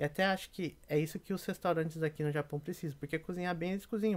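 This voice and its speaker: Here a man talks at a very fast pace. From Brazil, Curitiba (born Mogi das Cruzes, São Paulo). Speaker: restaurant consultant and chef. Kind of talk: casual podcast interview.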